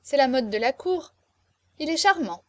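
A woman's voice: sits high, lively intonation, moderate pace, a little mellow, no echo, studio quality, voice pushed up. A woman voicing a spirited, fearless young gypsy woman in a storybook, teasing, knowing and proud. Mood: admiring, teasing.

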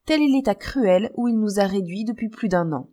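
A poor old beggar woman pleading for charity, voiced by a woman reading aloud. Her voice rises and falls with lively pitch. The reading is of an audiobook novel. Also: moderate pace, close to an everyday voice.

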